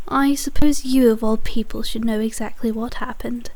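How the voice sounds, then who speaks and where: A woman's voice: a little high, steady tone, moderate pace, no echo, natural voice, rough recording. A woman playing a polite, formal asylum nurse who is kind but firm, in an ASMR audio drama. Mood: polite, soothing. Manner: formal, courteous, gently euphemistic. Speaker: nurse guiding a patient.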